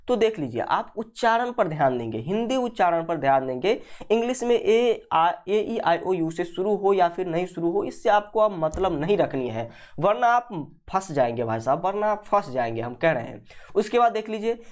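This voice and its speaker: A woman's voice: fairly low pitch, darkish tone. A woman teaching English grammar in an exam-prep lesson. She speaks English with a Hindi accent, asks her students questions and then answers them herself, and often breaks off to say sorry.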